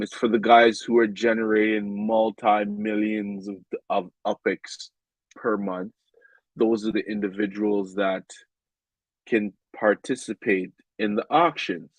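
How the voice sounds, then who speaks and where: Man vlogger, stuffed-up and nasal, laid-back slow delivery, lots of filler words. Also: fairly low pitch, dry recording, poor audio. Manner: rambling, many ums and restarts. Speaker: game vlogger. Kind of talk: casual game commentary.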